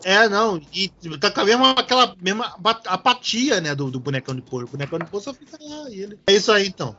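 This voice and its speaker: A man hosting a casual podcast chat, animated, swearing casually and restarting his words. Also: high-pitched, fast, lo-fi sound, soft background music. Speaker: podcast host.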